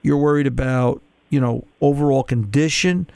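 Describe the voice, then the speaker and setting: A man's voice: medium pitch, steady tone, normal speed, vocal fry, mellow, clear, resonant tone, dry recording. A man hosting a call-in radio car show, chatty and explaining patiently, with frequent restarts.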